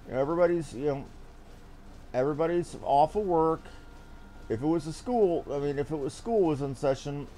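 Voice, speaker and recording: A man's voice: medium pitch, mellow, slight background noise. A middle-aged man chatting casually and ramblingly as he streams a game.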